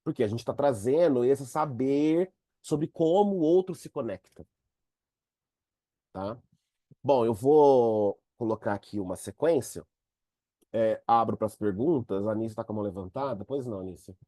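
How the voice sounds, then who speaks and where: A man teaching psychoanalysis in a lively online lecture, speaking straight to his students. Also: mid-range voice, normal speed, no echo. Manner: animated, talks to students directly.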